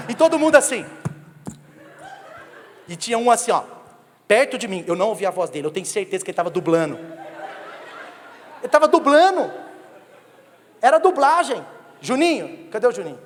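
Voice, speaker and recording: A Brazilian man in his thirties preaching a sermon as pastor, telling humorous stories and joking with the congregation. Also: very high voice. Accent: Brazilian Portuguese. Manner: humorous, animated storytelling that jokes with the congregation. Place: church sanctuary. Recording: long reverb of a church hall.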